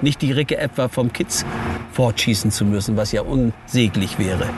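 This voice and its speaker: Noticeable background noise accompanies the recording. A man speaks at a moderate pace. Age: 70s. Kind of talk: interview. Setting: outdoors on a terrace.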